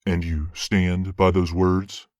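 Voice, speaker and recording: A man playing a stern but fair archangel judge in a fantasy audio drama, with formal, measured authority. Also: low-pitched, little pitch movement, no room sound, studio quality. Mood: measured, probing. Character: stern, fair male archangel presiding over a trial.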